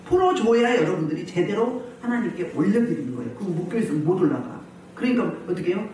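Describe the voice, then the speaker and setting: A woman pastor preaching a healing service sermon, animated, often putting questions to the congregation and laughing as she goes. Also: medium pitch, fast, slight background noise. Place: church hall. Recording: very echoey hall, mic at a distance.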